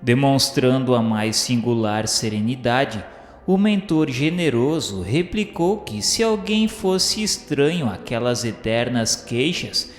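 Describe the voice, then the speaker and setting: A reverberant male voice acting as narrator carries a radio drama with solemn formality. He speaks slowly at a medium pitch, each phrase measured, with music behind him. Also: animated. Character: solemn male narrator recalling the spirit world. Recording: echoey long reverb, music bed.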